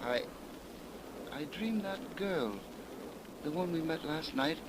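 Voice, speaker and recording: An actor playing a weak, dreamy young man with faint, halting speech in 1930s radio drama style, on a noisy old recording. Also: on the high side, lively intonation. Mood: groggy, dreamy.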